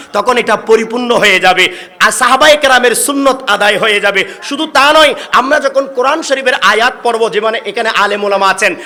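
High, bright-voiced preacher. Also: male voice. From Bangladesh. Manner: calls out to the crowd for responses. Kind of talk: sermon. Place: religious gathering.

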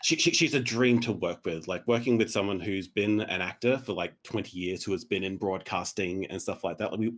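A man's voice: deep voice, fairly quick, few pauses, a bit bright. A man talking conversationally as a panel guest, explaining things in a rambling, self-correcting way over a video call. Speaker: panel guest, podcast director. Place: indoor room on a video call.

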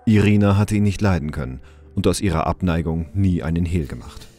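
A man's voice: low-pitched, a little fast, mellow, faint music behind. A man giving scripted narration for an audio drama.

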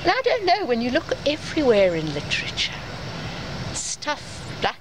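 A woman's voice: sits high, huge pitch swings, normal speed. A middle-aged woman talking reflectively in an interview, choosing her words thoughtfully. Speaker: interviewee, literature researcher and creative writing teacher. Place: outdoors in a sunny courtyard beside a building. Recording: noisy outdoor camera sound, urban ambience.

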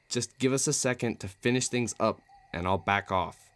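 A man's voice: medium pitch, measured pace, a bit bright, close to an everyday voice. A man playing a cocky, menacing villain in a romantic audio roleplay, taunting and self-assured. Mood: impatient, threatening. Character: cocky, menacing male villain, playful but threatening.

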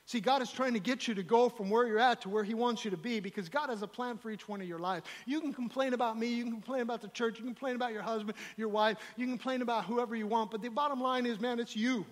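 A high-pitched American man preaches a live sermon from a church pulpit. He repeats his points forcefully, rising to loud declarations and dropping to low asides. The hall carries a long, ringing reverb. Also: steady tone, fast, hardly any pauses. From United States. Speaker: pastor.

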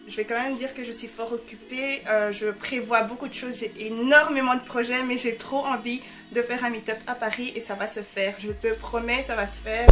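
A bubbly woman in her early twenties vlogging casually to her viewers. Her voice sits a little high and rings bright and forceful. She chats loosely, full of slangy fillers, over faint background music. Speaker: YouTuber answering viewer messages. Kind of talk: casual chat to camera.

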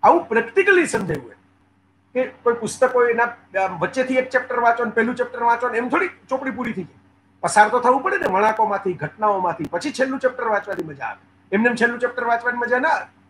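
High-voiced man telling an earnest story. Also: lively intonation, fast, fairly bright tone, slight background noise, poor audio. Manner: earnest storyteller, quoting dialogue in the speakers' voices; addresses viewers directly. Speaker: motivational speaker. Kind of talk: storytelling motivational talk.

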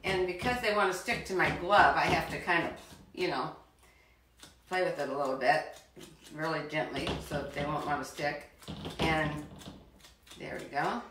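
A chatty woman who hosts a cooking show for children runs a live demonstration in her home kitchen, encouraging the kids and talking to them directly. She speaks at a normal speed in a low voice, with long pauses. The far camera yields roomy, distant kitchen audio over a noisy background.

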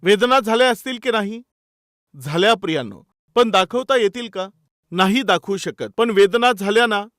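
A man's voice: high-pitched, normal speed, fairly bright tone, no room sound, clean studio sound. A man preaching a sermon with stories. He is emphatic, asks his listeners rhetorical questions and acts out the dialogue. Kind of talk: sermon with storytelling.

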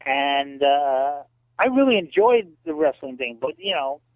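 A man in his late fifties tells lively anecdotes as an interview guest, sprinkling in "you know" as he goes. His voice sits a little high for a man and comes through a thin, phone-like line with a completely dry sound. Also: measured pace, no room sound. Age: 50s. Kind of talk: casual storytelling interview.

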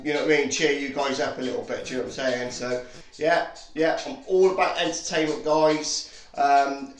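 A man's voice: a little high, a little hiss or hum. A man ranting and rambling in a casual vlog, passionate and swearing freely. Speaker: cannabis channel vlogger. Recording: echoey room, faint music behind.

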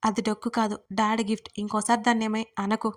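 A woman's voice: fairly high pitch, little pitch movement, quick pace, natural voice. Woman reading as a lovestruck young student. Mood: dreamy.

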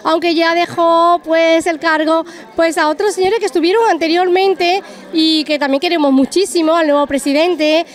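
A woman's voice: very high voice, fairly even intonation, moderate pace, few pauses. A middle-aged woman, chatting effusively as an on-location reporter doing interviews. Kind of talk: on-location event interviews and commentary. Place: busy hall at a Christmas market. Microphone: handheld reporter microphone. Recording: crowd chatter in busy hall.

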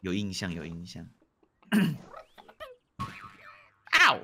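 Lively, bright-voiced female streamer. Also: sits low, normal speed, a little hiss or hum. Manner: teasing, laughs often. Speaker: game streamer. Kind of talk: casual gaming chat.

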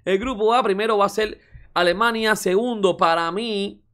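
A man's voice: high-pitched, moderate pace, a bit bright. A man giving casual, slangy football commentary on his channel, exasperated and ranting, often calling the listener brother. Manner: loose and slangy, with mild swearing. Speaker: football YouTuber.

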